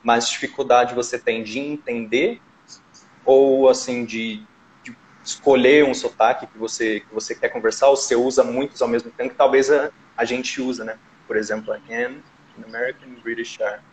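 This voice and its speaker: A man's voice: medium pitch, steady tone, normal speed, a little mellow, a little hiss or hum, rough recording. A man with a Brazilian Portuguese accent hosting a casual chat, explaining with examples and tag questions. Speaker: host.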